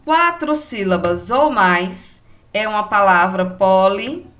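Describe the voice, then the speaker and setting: A woman's voice: mid-range voice, expressive, measured pace, a bit bright, a little hiss or hum. A woman teacher with a Brazilian Portuguese accent, patiently giving a remote lesson to children and explaining each step in an affectionate way.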